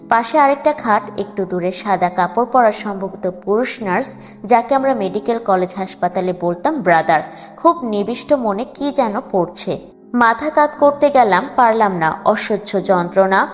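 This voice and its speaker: Grave woman narrator over soft music. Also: medium pitch. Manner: grave, measured storytelling. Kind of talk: dramatic reading of a first-person memoir. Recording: long reverb with soft music beneath.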